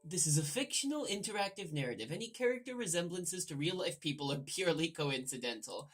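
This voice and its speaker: A woman's voice: lowish voice, lively intonation, fast talker, faint music behind. A woman hosting a gaming video, playfully reading the script aloud and commenting with irreverent, sudden exclamations. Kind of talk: let's play commentary, joking read-aloud narration.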